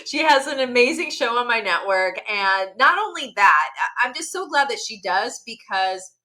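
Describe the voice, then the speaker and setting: A woman's voice: a little high, animated, moderate pace, bright, forceful tone. A woman hosting a wellness interview show, effusive and enthusiastic as she introduces and questions her guest. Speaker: show host.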